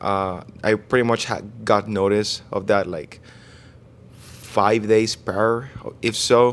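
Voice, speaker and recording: A man's fairly low, very slow voice in a Spanish accent, fairly even in intonation. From Venezuela, Caracas. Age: 20s. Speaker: online fitness coach. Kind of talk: interview. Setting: recorded on camera in Vegas.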